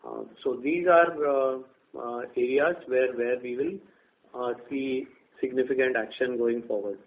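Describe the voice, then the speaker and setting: On a telephone conference call, a man with an Indian accent answers as a bank executive, explaining things semi-formally. His medium-pitched voice is fairly even in intonation, and his halting, hesitant delivery includes repeated words over a thin, narrow-band line.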